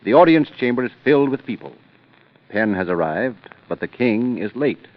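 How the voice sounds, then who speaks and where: A man's voice: medium pitch, expressive, normal speed, dry recording. A male narrator telling a historical story in dramatic radio style. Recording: lo-fi old radio transcription with music underneath.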